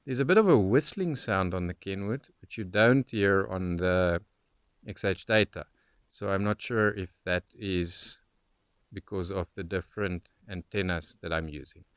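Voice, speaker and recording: A man with a fairly low, clean and smooth voice narrates in an informal, explanatory way. The sound is dry and close, like a hobbyist talking through a demonstration. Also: unhurried, dry recording. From South Africa. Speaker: shortwave radio hobbyist narrator.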